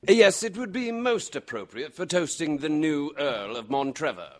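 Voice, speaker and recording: A man acts out a composed gentleman sleuth. His voice is slightly high and moves about in lively swoops. He speaks courteously and precisely, in radio mystery style. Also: moderate pace, natural voice. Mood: courteous, assured. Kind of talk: radio mystery drama acting.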